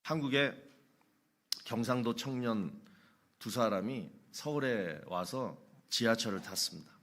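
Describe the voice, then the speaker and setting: A man's voice: medium pitch, fairly bright tone. A middle-aged male pastor preaching a sermon, asking rhetorical questions and telling humorous anecdotes.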